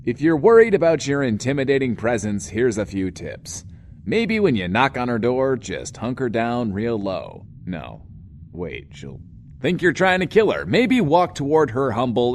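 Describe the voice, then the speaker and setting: An actor playing a smug but soft-hearted radio host, delivering a theatrical, self-loving monologue in an audio drama. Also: male voice, mid-range voice, slight background noise. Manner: pompous, theatrical, swooping emphasis. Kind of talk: in-world radio show monologue.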